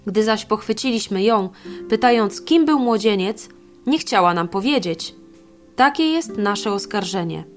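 A woman reading the false testimony of two scheming old men, in a plain, measured way. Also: mid-range voice, lively intonation, faint music behind, lightly acted. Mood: accusing. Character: two lying old male elders, false accusers.

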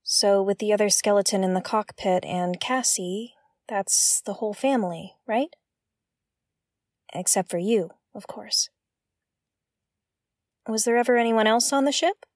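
A woman's voice: mid-range voice, a little slow, long pauses, no room sound, clean studio sound, close to an everyday voice. A woman playing a wary, wry investigator aboard a derelict spaceship in an audio drama, speaking hesitantly. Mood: dry, wary. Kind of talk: naturalistic audio drama acting.

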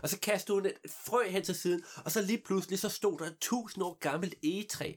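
An improvising storyteller who tells the tale in an animated, playful way and laughs at the jokes. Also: medium pitch.

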